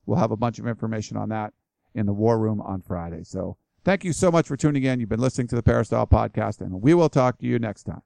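Gravelly-voiced man hosting a sports podcast. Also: fairly low pitch, lively intonation, fast, dark tone, no echo. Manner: casual, rambling, lots of fillers and restarts. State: voice tiring. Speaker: podcast host. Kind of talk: solo podcast answering listener questions.

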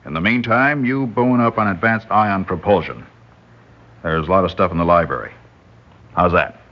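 A man's voice: low voice, moderate pace. A man playing a cheerful, trusting male engineer who jokes and teases his colleague in a vintage radio drama. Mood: friendly. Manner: jovial and teasing. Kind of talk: 1950s radio drama acting. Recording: dull lo-fi vintage radio broadcast.

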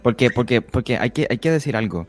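A man co-hosting a Christian podcast, talking through scripture in a measured way, sometimes stumbling over repeated words. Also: medium pitch, lively intonation, soft background music. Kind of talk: conversational Bible teaching.

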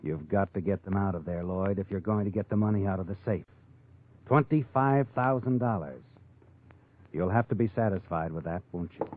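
A man's voice: low voice, moderate pace, a little hiss or hum, lightly acted. Man as a taunting old-time radio narrator, tinny sound. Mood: sly, taunting. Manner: taunting, knowing, insinuating. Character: sly omniscient male narrator taunting a guilty man. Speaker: narrator and host. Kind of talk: 1940s radio drama narration in second person. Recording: muffled old radio broadcast with music.

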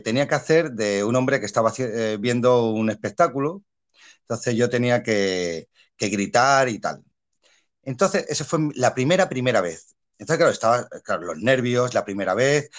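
Chatty Spanish man telling stories. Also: medium pitch. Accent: Spain Spanish. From Spain. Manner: animated storyteller, laughs often, many fillers and repeats. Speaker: actor guest. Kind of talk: casual interview chat.

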